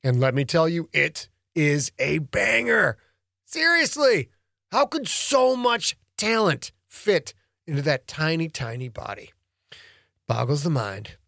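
Man, author-narrator, higher pitch, theatrical, playful delivery, dry close-miked recording. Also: very animated, slow, creaky, sharp tone, no echo. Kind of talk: dramatic story reading and casual podcast talk.

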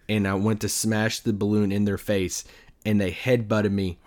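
A man co-hosting in casual sports podcast banter, his voice hoarse and giving out because he is sick. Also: fairly low pitch, flat delivery, a little slow, a little mellow. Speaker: podcast co-host.

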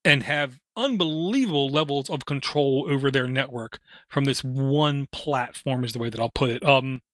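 A man's voice: mid-range voice, normal speed, fairly bright tone, no room sound, studio quality. A man talking casually about hardware as a podcast co-host, enthusiastic and fond of homespun comparisons. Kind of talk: casual tech chat.

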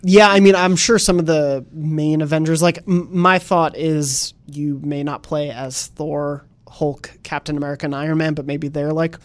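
A man's voice: on the high side, moderate pace, few pauses, no echo. Dry-sounding male podcast host. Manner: relaxed, rambling, many fillers. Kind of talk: casual panel chat.

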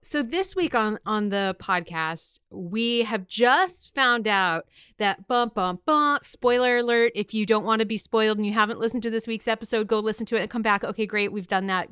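A woman's voice: a little high, moderate pace, fairly bright tone, clear, resonant tone, no room sound, studio quality. A woman hosting a podcast, asking interview questions in a conversational style.

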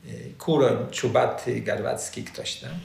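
A man's voice: mid-range voice, fairly even intonation, a little slow, creaky, a little mellow. An older man reminiscing conversationally. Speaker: former scout troop staff member. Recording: roomy echo, music behind. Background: music.

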